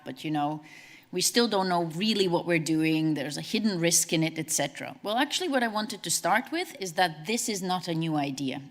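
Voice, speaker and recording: A woman's voice: lowish voice, fairly bright tone. Woman speaking in a hall. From Latvia. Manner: brisk, conversational, with asides. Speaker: conference speaker, CEO. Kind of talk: conference presentation. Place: large conference hall. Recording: long hall reverb.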